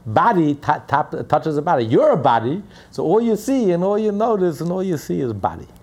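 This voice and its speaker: A man voicing an elderly Hasidic rebbe who speaks with a Polish Yiddish accent and gently teases his son. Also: on the high side, very animated, brisk, voice pushed up. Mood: amused.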